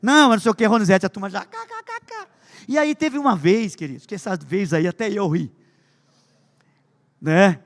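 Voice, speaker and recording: A man preaching a sermon with humorous stories, swinging between loud emphasis and hushed asides. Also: sits high, brisk, long pauses, big-room sound. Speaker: pastor.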